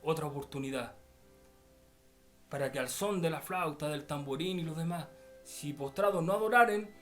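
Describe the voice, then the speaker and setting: Man voicing a wrathful king, stern, threatening, raised pitch. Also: normal speed, faint music behind, lightly acted. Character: ancient male king, proud and wrathful.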